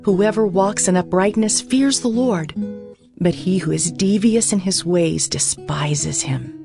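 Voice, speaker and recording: A woman narrating scripture in a measured, declarative dramatized reading. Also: on the low side, vocal fry. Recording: instrumental music bed. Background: instrumental music with guitar.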